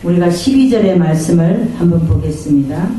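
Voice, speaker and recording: A woman's voice: lowish voice, animated, brisk, mellow, slight background noise. A woman pastor preaching a sermon, drawing amens from the congregation and acting out the voices she quotes. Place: church sanctuary. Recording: echoey church hall from far off.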